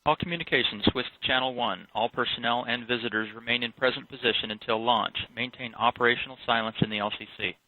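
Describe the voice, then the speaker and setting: A man rattles off clipped range announcements at a quick clip. His voice comes over a walkie-talkie radio channel, and the sound is thin and dry. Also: medium pitch, fairly even intonation, no room sound, narrow, tinny audio. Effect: heard over a walkie-talkie radio channel.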